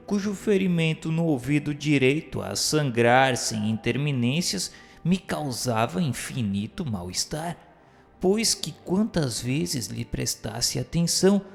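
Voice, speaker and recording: A man reading literary first-person narration for an audio drama in a solemn, formal, measured manner. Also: medium pitch, gravelly. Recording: long reverb, music behind. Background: music.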